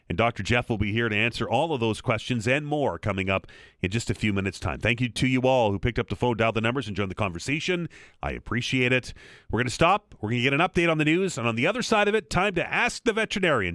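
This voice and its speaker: A man's voice: medium pitch, a bit bright, no room sound, studio quality. A man hosting a call-in radio talk show, talking conversationally with frequent restarts, recovering from a slight cold.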